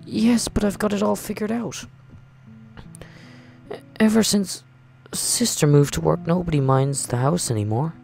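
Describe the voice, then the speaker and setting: A man's voice: sits high, measured pace, vocal fry, a little mellow, soft background music, voice pushed up. A man voicing an earnest, lonely, chatty little girl in a visual novel read-aloud, pleading with the grown-ups. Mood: pleading, exasperated.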